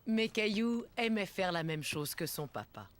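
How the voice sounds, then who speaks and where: A woman tells a children's story as narrator. Her voice sits at a medium pitch and moves expressively up and down. Prominent music plays throughout behind her. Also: expressive, normal speed.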